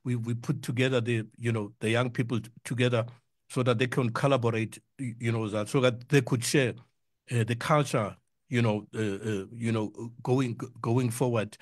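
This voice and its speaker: A middle-aged South African man hosts a music interview on community radio. His sound is dry and close, with a mid-pitched voice. He talks casually, circling around his point and doubling up words for emphasis. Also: moderate pace, dry recording. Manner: rambling, repeats words for emphasis.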